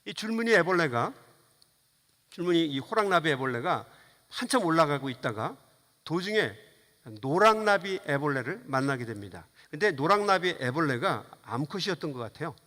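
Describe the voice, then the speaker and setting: A man's voice: fairly high pitch, sing-song, moderate pace, fairly bright tone. A man preaching a sermon as pastor, fervent, with repeated phrases and small fillers. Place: church sanctuary. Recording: long church reverb.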